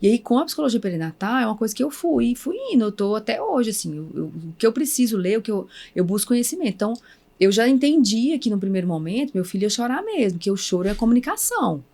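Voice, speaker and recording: A woman in her thirties with a Brazilian Portuguese accent, a guest psychologist telling stories in an animated, conversational way. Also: fairly high pitch, fast. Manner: animated storytelling, acts out remembered speech. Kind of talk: casual conversational interview.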